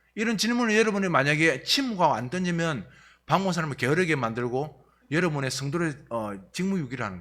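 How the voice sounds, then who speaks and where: A man at a very fast pace, with very wide pitch swings, big swings in loudness and audible room echo. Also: fairly high pitch for a man. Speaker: retired pastor. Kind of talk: sermon. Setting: church.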